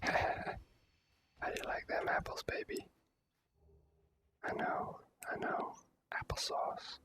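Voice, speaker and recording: An ASMR gaming host giving casual, drawn-out gameplay commentary in whispers.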